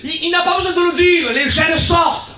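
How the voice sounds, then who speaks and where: A man with a southern French accent preaching a sermon as guest pastor, building to shouts and dropping into quieter asides, often repeating himself. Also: very high-pitched, moderate pace. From South of France. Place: church hall. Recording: echoey church, from far off.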